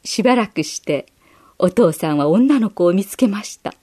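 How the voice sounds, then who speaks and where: A woman gently reading a children's Bible story aloud as scripted narration. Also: medium pitch, normal speed. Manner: gentle, expressive reading with acted quotes.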